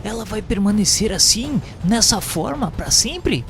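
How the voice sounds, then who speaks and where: A man's voice: sits high, animated, unhurried, fairly bright tone, full character voice. A man playing an earnest spirit pupil who narrates a radio drama in a formal, solemn, literary manner. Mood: solemn, awed. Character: earnest male pupil recounting journey through spirit underworld. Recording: echoey, long reverb with music behind.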